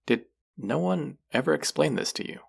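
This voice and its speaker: A voice actor playing a caring but gently stern clinic guide in a roleplay audio drama, soft-spoken and concerned, talking straight to a patient. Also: medium pitch, expressive, normal speed, gravelly, breathy edge, full character voice. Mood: alarmed, insistent. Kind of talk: roleplay audio drama, speaking softly to the listener.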